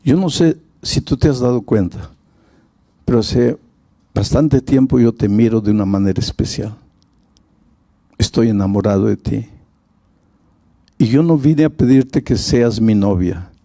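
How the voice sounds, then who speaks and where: A man voicing an earnest, mature suitor who speaks seriously and calmly. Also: lowish voice, measured pace, pauses often, no echo, studio quality.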